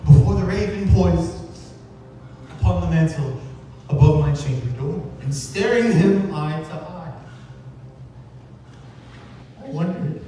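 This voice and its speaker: A man giving an impassioned theatrical recitation of gothic poetry as a tormented, grieving figure, swinging between hushed and shouted delivery, at a live event. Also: a little high, a little slow. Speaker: live storyteller-actor. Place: live event in a large reverberant indoor room. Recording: echoey hall from far off, faint noise.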